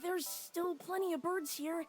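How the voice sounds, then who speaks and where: A timid little hermit crab. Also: female voice, very high voice, steady tone, a little slow, soft background music. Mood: nervous. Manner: hesitant, stammering. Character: timid young hermit crab, nervous and evasive.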